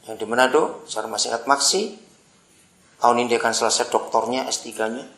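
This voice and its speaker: A middle-aged man delivers a sermon in a forceful, bright tone, telling stories to his listeners. He calls out to them often and swings from emphatic outbursts to soft asides. The recording is roomy with a clear echo. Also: medium pitch, fairly even intonation, brisk. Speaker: preacher.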